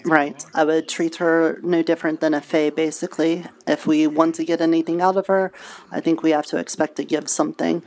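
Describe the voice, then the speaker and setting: A woman's voice: low voice, little pitch movement, brisk, darkish tone, natural voice. A woman playing a friendly, chatty tailor in an improvised fantasy roleplay, talking casually with playful, cutesy word choices. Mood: wary, confiding.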